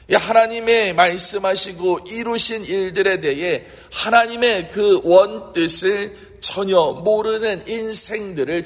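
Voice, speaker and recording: A man's voice: high-pitched, slightly rough. A man preaching a sermon as a pastor, earnest and fervent, asking rhetorical questions. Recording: long hall reverb.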